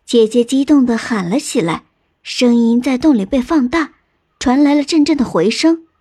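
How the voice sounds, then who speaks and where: A woman reading a folk tale aloud with gentle, expressive storybook narration. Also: a little high, moderate pace, breathy edge.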